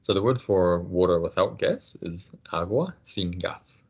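A man teaching a casual language lesson, patient and encouraging, explaining things slowly. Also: deep voice, animated, breathy edge.

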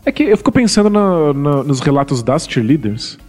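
Husky guy joking around on a podcast, voice jumps all over, roomy with some music. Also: fairly high pitch, moderate pace. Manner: animated, jokey banter. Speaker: podcast co-host. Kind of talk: casual podcast chat.

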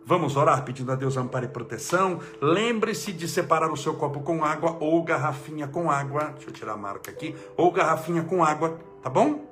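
A man, an energetic spiritual leader giving an emphatic inspirational talk and leading prayer. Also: on the high side, fairly quick, few pauses, soft background music.

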